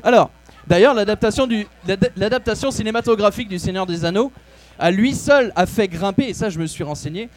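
A man's voice: high-pitched, brisk, hardly any pauses. A man hosting a comedy show, delivering a crude, rambling, mock-serious monologue. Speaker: comedy host. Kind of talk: comic monologue.

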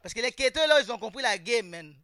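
A man's voice: extremely high pitch, expressive, quick pace, sharp tone, dry recording, clean studio sound. A man with a Québécois French accent doing a stand-up comedy routine on stage, talking street slang, throwing "man" into every line and quizzing the audience. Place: stage before a live audience.

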